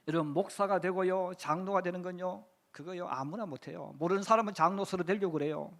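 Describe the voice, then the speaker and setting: A man's voice: sits high, fairly bright tone. A male pastor preaching a sermon in a church, telling a Bible story and acting out its dialogue, with rhetorical questions to the congregation. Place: church sanctuary.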